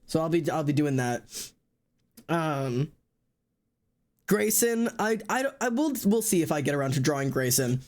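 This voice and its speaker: A streamer and artist in casual chat, talking in an excitable, rambling way and swearing freely. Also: medium pitch, unhurried, long pauses.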